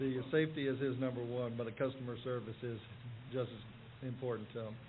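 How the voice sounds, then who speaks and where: A man's medium-pitched voice at a very fast pace, monotone and flat, with audible room echo. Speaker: electric department manager. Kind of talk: award presentation speech. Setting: city commission meeting.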